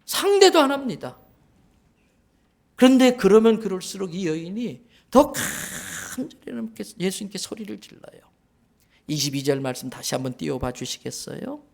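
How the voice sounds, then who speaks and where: A man preaching a sermon in church as pastor, animated, acting out quoted voices and questioning the congregation. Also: sits high, normal speed, gravelly. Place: church sanctuary.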